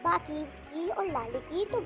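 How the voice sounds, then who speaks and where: High-pitched jealous, whiny girl. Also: animated, a little slow, over music. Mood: resentful. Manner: whiny, scolding, indignant. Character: jealous, resentful hot-tempered young daughter Rinky. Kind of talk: children's moral story character acting.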